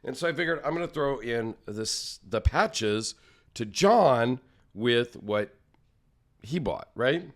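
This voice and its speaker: A knife channel host talks casually to camera in a solo vlog, his ordinary mid-pitched voice slightly raspy and tired from a long trip. He takes his time, rambling in a friendly, self-deprecating way with lively intonation.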